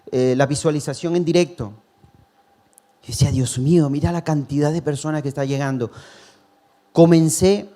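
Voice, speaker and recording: A man's voice: on the high side, warm tone. A man preaching a sermon, earnest and personal, telling his story to the congregation, calling them brothers and chuckling now and then. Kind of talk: sermon testimony.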